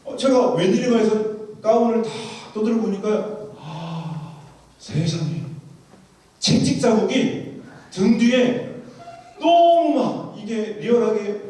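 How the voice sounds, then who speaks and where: A man's voice: sits high, expressive, slow, pauses often, warm tone. A man preaching a sermon, telling a story vividly and acting out the lines of the people in it. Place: large church sanctuary. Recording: echoey church hall, voice from far off.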